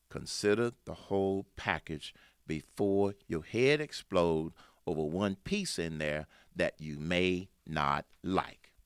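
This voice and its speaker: A man hosts a talk show, running through the news with a lively, swinging pitch. His voice is bright and smooth. The studio sound is dry and close, and he mixes loud emphasis with low asides. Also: no room sound. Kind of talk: opinionated news commentary.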